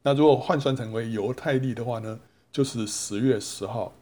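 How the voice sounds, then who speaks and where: A man preaching a storytelling sermon in a voice of ordinary, middle pitch. He keeps stopping to ask his listeners a rhetorical question, then answers it himself. He draws out the small particles at the ends of his lines. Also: mellow. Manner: drawn-out sentence-final particles. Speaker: Bible teacher.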